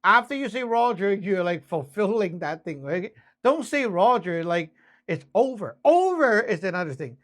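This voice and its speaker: A man with a notably high-pitched voice works as an instructor. He explains things step by step in a casual spoken style, often checking in with short tag questions. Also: sing-song, moderate pace, a bit bright. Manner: conversational, frequent check-ins, spells things out step by step. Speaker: instructor teaching radio communication basics. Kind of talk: casual spoken lesson with acted-out example exchanges.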